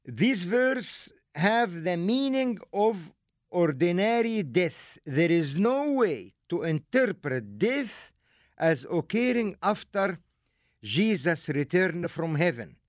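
A man from Egypt, giving a deliberate, emphatic teaching lecture with rhetorical asides. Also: sits high, big pitch swings, no echo, clean studio sound. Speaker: religious lecturer.

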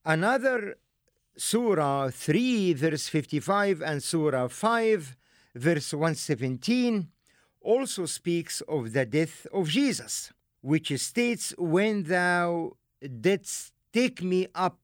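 A man from Egypt, giving a deliberate, emphatic teaching lecture with rhetorical asides. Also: fairly high pitch, sing-song, no room sound, clean studio sound. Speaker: religious lecturer.

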